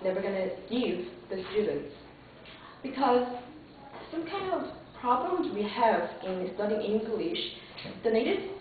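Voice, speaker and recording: A woman's voice: on the high side, a little hiss or hum. A young woman with a Korean accent answering in a job interview, earnest and a little hesitant. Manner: earnest, hesitant with restarts and fillers. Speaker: job applicant for English teacher. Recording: distant echoey lo-fi phone-like room recording.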